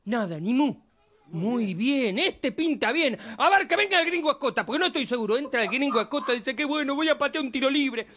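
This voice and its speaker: A man putting on a high, squeaky voice with an Argentine accent, telling jokes on a TV show and acting out the characters in them. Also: animated, a little fast, fairly bright tone, heavily acted. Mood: rowdy. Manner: rattles through jokes, acts out other characters. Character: squeaky-voiced cheeky grown man, playful joker. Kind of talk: stand-up joke telling on a TV show.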